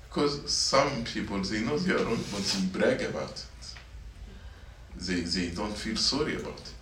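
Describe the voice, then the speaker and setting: This church youth teacher has a lowish, somewhat bright voice with lively intonation and a moderate pace. He teaches middle schoolers a sermon, restating his points and asking them questions. The setting is a church meeting room, captured from afar with echo and faint noise.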